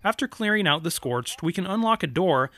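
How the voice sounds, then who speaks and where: A man reading scripted narration about video game lore, with deliberate, dramatic emphasis. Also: sits high, expressive, heavy background noise.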